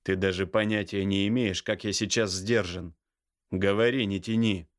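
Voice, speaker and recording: A man's voice: fairly low pitch, fairly even intonation, natural voice. A man doing a furious, growling older brother. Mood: furious, menacing. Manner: growling, slow and threatening. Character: enraged older brother, menacing and contemptuous. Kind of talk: audiobook character voice.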